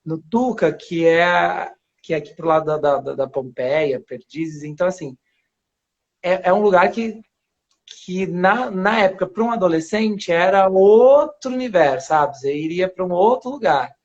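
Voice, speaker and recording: A man from Paraíba who grew up in São Paulo and speaks with a São Paulo accent, a guest actor chatting casually in an interview, rambling with restarts and soft laughs. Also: high-pitched, moderate pace. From Paraíba, Brazil. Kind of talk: casual interview on a live stream. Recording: dull lo-fi live stream audio.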